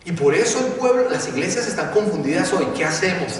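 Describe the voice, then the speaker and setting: A man's voice: high voice, lively intonation, a little fast, slight background noise. A middle-aged man preaching a sermon with emphasis, often putting questions to the congregation. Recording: echoey hall, voice from far off.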